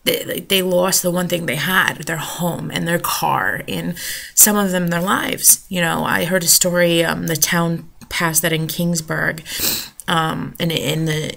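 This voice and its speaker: An American woman talks unscripted to her vlog audience in a low-pitched voice full of creaky fry. Her delivery is serious and halting, wandering from one trailing sentence to the next. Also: fairly bright tone. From United States, New Jersey shore. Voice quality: gravelly vocal fry. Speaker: vlogger, storm survivor. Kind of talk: unscripted personal vlog monologue.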